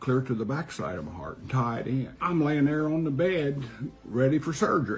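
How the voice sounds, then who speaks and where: Music in the background behind a man's medium-pitched voice, with ordinary pitch variation and a moderate pace. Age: 70s. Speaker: testimony giver. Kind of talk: testimony. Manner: halting.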